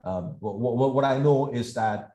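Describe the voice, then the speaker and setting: A man answering analyst questions on an earnings call as a company executive, explaining in a measured, hesitant way. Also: mid-range voice, dark tone.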